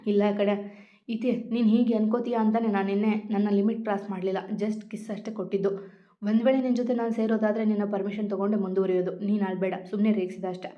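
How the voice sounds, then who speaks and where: A playful young husband who dotes on his wife and teases her at every turn, read aloud by a woman. He speaks at a middling pitch, affectionate and teasing. The storybook recording sounds dull and lo-fi. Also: level tone, quick pace, natural voice. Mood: soothing. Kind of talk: storybook reading.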